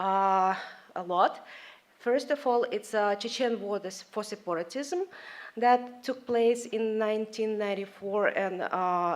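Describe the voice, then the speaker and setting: With a Russian accent, a woman speaks in a fairly high voice at a fairly slow pace, keeping her intonation fairly even. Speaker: investigative journalist. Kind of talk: conference panel talk. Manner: halting, many fillers.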